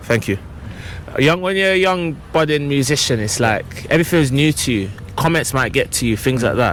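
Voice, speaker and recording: A man with a London accent talks at a fairly quick pace and a fairly high pitch. His intonation is lively, and there is noticeable background noise. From London, Hampstead. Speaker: musician and football fan content creator. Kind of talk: interview.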